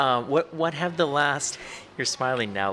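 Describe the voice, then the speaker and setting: With a Canadian accent and a plain, everyday voice, a man speaks fairly slowly at a fairly high pitch with lively intonation. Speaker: podcast host. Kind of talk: interview.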